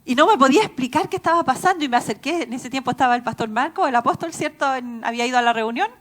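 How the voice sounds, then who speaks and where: A woman pastor with a Chilean accent preaches in a church, her voice sitting high. She tells her stories earnestly and laughs at herself along the way. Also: rapid-fire. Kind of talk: sermon.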